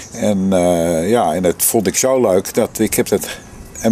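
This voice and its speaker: A man talks with fairly even intonation at a fairly slow pace, noticeable background noise behind him. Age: 70s. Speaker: amateur singer. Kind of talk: interview. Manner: halting, many hesitations.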